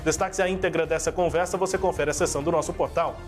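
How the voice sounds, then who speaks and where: A man co-hosting a radio show, speaking briskly and chattily, thanking and introducing a guest. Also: on the high side, fairly even intonation, faint music behind. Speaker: radio co-host. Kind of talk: radio interview and sign-off.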